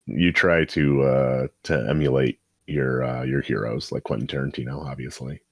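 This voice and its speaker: Very deep-voiced man, casual podcast talk, wry rambling riffs, dry sound. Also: fairly even intonation, normal speed, gravelly, no echo. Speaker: podcast co-host. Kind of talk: casual comedic chat.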